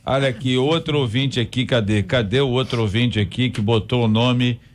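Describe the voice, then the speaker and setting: A man's voice: medium pitch, moderate pace. A man hosting a radio debate, reading listener messages in a jovial, chatty way. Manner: jovial, chatty, exclaims aloud. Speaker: radio host.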